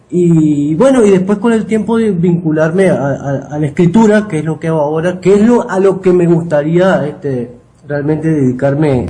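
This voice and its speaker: A man's voice: on the high side, dark tone, low-quality recording. A middle-aged man with a Rioplatense Spanish accent answering interview questions conversationally, explaining and often checking with short tag questions. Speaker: interview guest, writer and copy editor.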